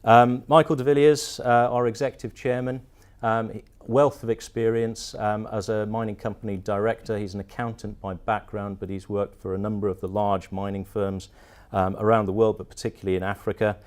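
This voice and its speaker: A man with a British accent giving an investor presentation as a company director, with halting phrasing and frequent ums. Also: on the low side, flat delivery, darkish tone, smooth. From partly Turkey, mostly the UK.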